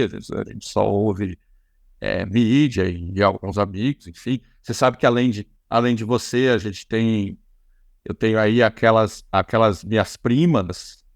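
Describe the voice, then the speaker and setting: A man's voice: fairly low pitch, dry recording, studio quality. Rambling Brazilian man hosting a podcast. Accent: Brazilian Portuguese. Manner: rambling, many restarts and repeated fillers. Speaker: podcast host. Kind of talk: casual conversational interview.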